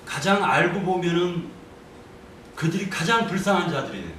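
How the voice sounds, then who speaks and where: A man's voice: high-pitched, animated, normal speed, fairly bright tone. A man giving a passionate church testimony, denouncing and growing angry as he speaks. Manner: vehement, denouncing, rising to anger. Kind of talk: impassioned testimony. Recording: echoey room, voice from far off, faint noise.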